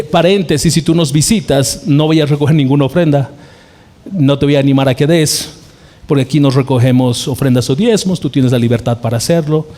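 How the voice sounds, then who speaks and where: A man's voice: mid-range voice, mellow. A male pastor from Bolivia preaching a sermon, telling a story and acting out short quoted exchanges.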